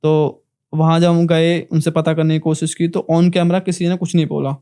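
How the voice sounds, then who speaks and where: A young man with a high, smooth and resonant voice, mellow in tone. He recounts a personal ghost story in vivid, earnest detail as a podcast guest. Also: level tone, normal speed. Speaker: paranormal investigator guest. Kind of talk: emotional storytelling in a podcast interview.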